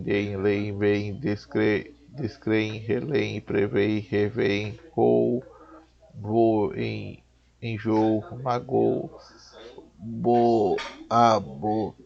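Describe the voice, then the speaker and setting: A Brazilian man reading a spelling lesson aloud slowly and haltingly, restarting words as he goes through long lists. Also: fairly low pitch, vocal fry. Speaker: teacher. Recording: dull lo-fi recording.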